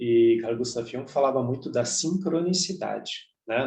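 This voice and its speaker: Somewhat breathy, a man's voice sits at medium pitch with lively intonation. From Brazil. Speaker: study group facilitator. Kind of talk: online study group discussion.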